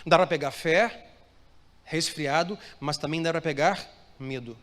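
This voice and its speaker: Here the Brazilian Portuguese-speaking pastor's voice is fairly high and a little slow as he delivers his sermon. He leads the live congregation in call-and-response, having them repeat lines and reply to him. The recording carries the echo of the church hall and gentle background music.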